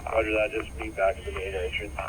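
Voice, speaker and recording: Through heavy radio noise and clicks comes a man with a fairly low voice, acting as fire incident commander. He gives terse, procedural instructions and updates in firefighter radio traffic. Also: flat delivery, fast. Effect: two-way radio.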